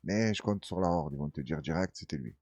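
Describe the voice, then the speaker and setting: A man's voice: extremely low pitch, brisk, husky, no echo. A man hosting a casual news commentary stream, reading viewer comments in a slangy, streetwise way. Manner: animated storyteller, voicing others in his tales.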